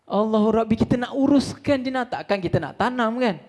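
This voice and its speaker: Young male preacher with a Malaysian Malay accent, high voice, storytelling sermon that voices the characters and chants Arabic. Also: expressive, a little mellow. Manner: chanted Arabic phrases, slow and drawn out. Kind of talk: Ramadan religious talk retelling a story. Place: lobby hall before a live audience.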